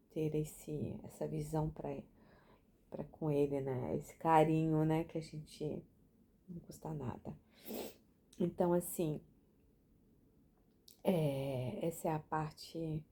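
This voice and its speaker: A woman's voice: low voice, dark tone. A young woman sharing a casual, chatty reflection with lots of fillers and restarts. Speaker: book reading vlogger.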